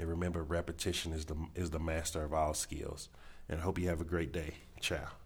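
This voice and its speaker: With an American accent, a man speaks fairly quickly in a very deep, low, somewhat breathy voice with monotone, flat intonation, and audible room echo surrounds him. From Texas. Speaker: podcast host, military veteran. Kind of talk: monologue podcast, personal story.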